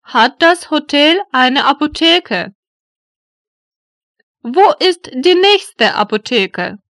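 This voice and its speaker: A woman reads out short German phrases for learners, each one spaced out and repeated. Her voice sits high and bright, with a lively rise and fall. The recording is dry and close. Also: no room sound. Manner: deliberate, each phrase read twice. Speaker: German language teacher voice. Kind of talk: slow phrase drills for learners.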